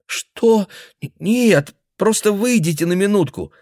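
A man's voice: a little high, animated, unhurried, no room sound, clean studio sound, pitched above the performer's own voice. A man voicing a frightened young woman who pleads with an old man. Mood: pleading.

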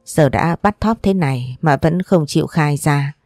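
A narrator reading a drama story in an expressive, steady way. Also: mid-range voice, normal speed, no room sound, studio quality. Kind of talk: audiobook storytelling.

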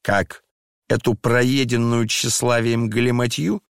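A man reading aloud and voicing a hot-tempered older noble lady with shrill, scolding outbursts. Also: fairly even intonation, a little slow, gravelly, clean tone, dry recording, studio quality. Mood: scornful.

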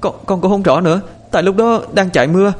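A man voicing a panicked young girl searching for her little brother, pleading and crying. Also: quick pace. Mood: tearful. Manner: crying, pleading, high-pitched. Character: panicked young village girl, older sister.

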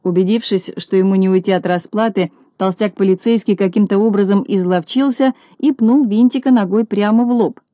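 Woman reading a storybook in a dark voice. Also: medium pitch, fairly quick, hardly any pauses, dry recording. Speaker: narrator.

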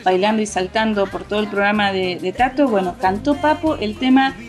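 A woman's voice: mid-range voice, a little fast, faint music behind. A woman with an Argentine Spanish accent, co-hosting a casual chat and telling anecdotes with many hesitant restarts. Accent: Rioplatense Spanish. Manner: storytelling, hesitant with fillers and restarts. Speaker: co-host.

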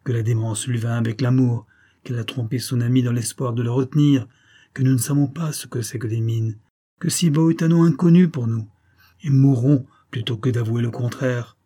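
A man's voice: mid-range voice, normal speed, warm tone, close to an everyday voice. A man voicing a resolute tribal chief who speaks firmly and commandingly to his council. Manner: firm, commanding.

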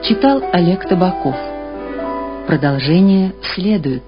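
A woman's voice: on the low side, expressive, measured pace. A woman radio announcer reading a scripted programme outro. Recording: slightly dull radio recording over music. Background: plucked guitar-like music.

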